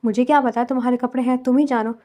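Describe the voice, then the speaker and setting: A woman's voice: on the high side, fairly even intonation, fast talker, warm tone, close to an everyday voice. A woman reading a story and voicing a proud young husband who teases his new wife in a dry, mocking way.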